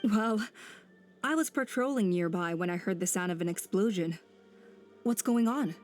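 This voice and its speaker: A composed tribal elder, played by a woman, with a mid-pitched voice and a measured, thoughtful delivery. Soft game music sits faintly underneath. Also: natural voice. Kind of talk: game cutscene voice acting.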